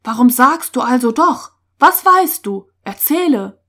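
A woman voicing a calm, experienced boy camper in a Christian story for children, speaking briskly and knowingly. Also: a little high. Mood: urgent. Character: excitable young boy at camp, Lutz, calm experienced leader.

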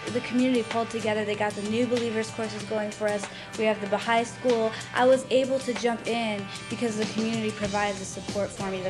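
A young woman gives an interview testimonial in a middle-pitched voice. She pauses and feels for her words, with music playing clearly behind her. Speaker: community member, new believer. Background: background music.

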